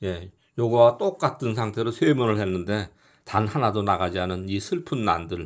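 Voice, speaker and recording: On a very clean recording with a silent background, a man talks at a moderate pace with fairly low pitch and ordinary pitch variation. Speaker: orchid seller. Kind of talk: sales pitch. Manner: wistful, self-deprecating.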